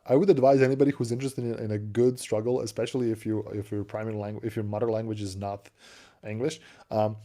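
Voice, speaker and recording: A low-voiced man with a Serbian accent co-hosts a tech stream in loose, chatty English. His tone is mellow and warm, and he stumbles and repeats words while searching for phrasing, laughing often between thoughts. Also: little pitch movement, quick pace. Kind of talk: casual tech chat.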